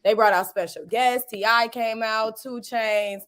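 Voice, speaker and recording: An American woman in her thirties with a slightly hoarse voice, telling stories in an animated, slangy way as a talk show co-host. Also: fairly high pitch, a little slow. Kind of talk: lively casual chat.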